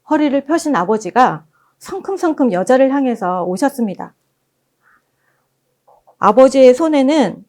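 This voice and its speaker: A woman presenting at a book forum who reads passages aloud as gentle storytelling. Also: fairly high pitch. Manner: gentle storytelling, acting out quoted lines.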